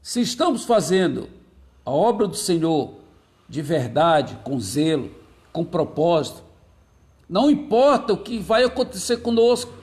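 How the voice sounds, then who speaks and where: High-voiced preaching pastor. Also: male voice, sing-song, darkish tone. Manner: preaching, greets online viewers by name mid-sermon; slows and drops low on key phrases, repeats them. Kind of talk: sermon.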